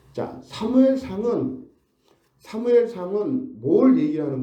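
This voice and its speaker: Amid audible room echo, a man speaks very slowly at a high pitch, with very wide pitch swings. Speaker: guest preacher. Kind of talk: sermon.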